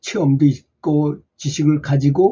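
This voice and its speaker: A man's fairly high, somewhat breathy voice, monotone and flat, at a very slow pace. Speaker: meditation and well-dying lecturer. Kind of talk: spoken Buddhist dharma talk. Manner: casual, conversational storytelling.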